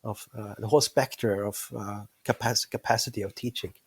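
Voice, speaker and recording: A man's voice: fairly low pitch, steady tone, a little fast, breathy edge, no room sound. A man in his fifties with a Norwegian accent, a monk speaking as a guest, hesitant and searching for words, often chuckling. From western Norway. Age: 50s. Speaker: guest, Buddhist monk and teacher. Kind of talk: casual interview chat.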